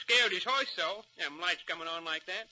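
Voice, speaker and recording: A man acting a folksy, excitable small-town old-timer with a rural American accent in 1940s radio drama style. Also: high-pitched, moderate pace. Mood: amazed, folksy. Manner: folksy, drawling dialect. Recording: muffled 1940s radio recording.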